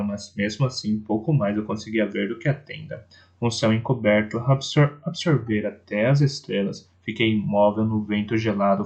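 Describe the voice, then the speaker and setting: A man's voice: lowish voice, a little mellow. A man reading an audiobook aloud, stumbling and correcting himself as he goes, recorded on a dull lo-fi setup. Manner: reads with restarts and self-corrections. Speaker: audiobook narrator.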